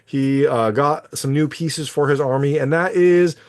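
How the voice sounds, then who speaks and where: A man's voice: a little high, steady tone, measured pace. A man giving a casual spoken recap and review of an anime, full of conversational fillers.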